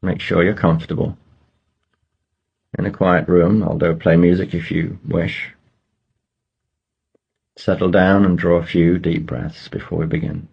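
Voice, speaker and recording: A man leading a guided meditation, giving slow, measured instructions with pauses between phrases. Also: sits low, little pitch movement, gravelly, husky, lo-fi sound.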